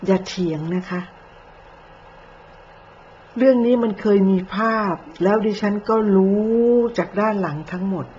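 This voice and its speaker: A woman's voice: mid-range voice, measured pace, long pauses, darkish tone, lo-fi sound, a little hiss or hum. A woman commentator delivering an accusing, cutting rant that moves from polite to crude speech. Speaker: online commentator. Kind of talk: scolding commentary.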